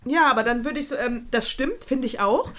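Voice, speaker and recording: A woman's voice: on the high side, brisk, fairly bright tone. A woman co-hosting a podcast, giving blunt, opinionated advice in casual chat and swearing freely. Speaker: podcast co-host.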